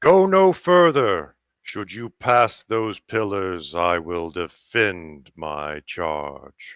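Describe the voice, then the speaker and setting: A man puts on a booming character voice, very deep and low, speaking at a very slow pace with lively intonation and big swings in loudness. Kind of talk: archaic formal speech. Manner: commanding, warning.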